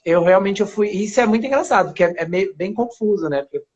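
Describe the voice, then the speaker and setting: Man, from Paraíba, São Paulo accent, slightly high voice, rambling restarts, muffled lo-fi stream audio. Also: fast. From Paraíba, Brazil. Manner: rambling, with many restarts and soft laughs. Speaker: guest actor. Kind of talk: casual interview on a live stream. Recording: dull lo-fi live stream audio.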